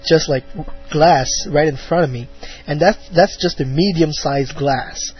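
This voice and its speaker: A man's voice: fairly high pitch, measured pace, husky. Rambling man on muffled lo-fi stream. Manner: rambling, lots of restarts and fillers. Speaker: podcast host. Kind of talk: casual chat on a live fan show. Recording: muffled lo-fi audio with faint music.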